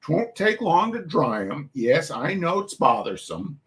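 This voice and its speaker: A man's voice: fairly high pitch, sing-song, a bit bright, voice pushed up. A man voicing a bustling, bossy mother of a big poor family, with an attempted urban Irish dialect. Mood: brisk. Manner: brisk, ordering people about. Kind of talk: storybook reading.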